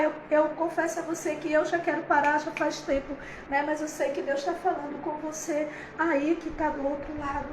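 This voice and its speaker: A woman's voice: high-pitched, echoey room, a little hiss or hum, low-quality recording. A woman pastor, preaching a heartfelt, conversational sermon on a livestream, with many fillers.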